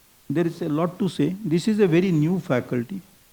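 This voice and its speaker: In a dark, mellow tone, a man talks at a moderate speed. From India (western; Marathi and Gujarati background). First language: Marathi and Gujarati. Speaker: university dean and scholar. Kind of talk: academic presentation. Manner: halting, many fillers.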